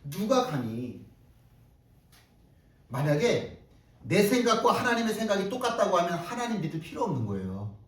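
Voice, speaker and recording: Emphatic high-voiced male pastor, echoey church. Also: sing-song, moderate pace, long pauses. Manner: emphatic, rhetorical questions, repeats phrases for stress. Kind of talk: sermon. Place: church sanctuary. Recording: echoey hall, mic at a distance.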